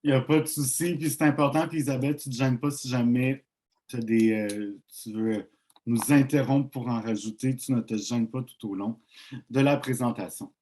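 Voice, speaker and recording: Man, mellow and husky, relaxed book presenter. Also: medium pitch. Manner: relaxed, conversational, reads passages aloud slowly. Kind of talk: presentation with read-aloud.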